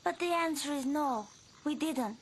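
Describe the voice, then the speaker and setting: A woman playing a gentle, sentimental cartoon character with a tender, earnest delivery. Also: high voice, a little slow, a little hiss or hum. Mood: tender regret. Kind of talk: animated comedy acting. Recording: music behind the voice.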